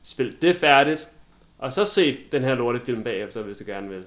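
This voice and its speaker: A man's voice: medium pitch, lively intonation. A man co-hosting a casual film-review podcast, easygoing and often answering with short agreements. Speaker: podcast co-host. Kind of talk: casual chat.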